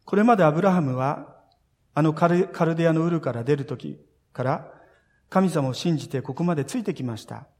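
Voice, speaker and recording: A man preaching a sermon as pastor, earnest and expressive, building emphasis as he speaks. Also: on the high side, brisk. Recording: long reverb of a large hall.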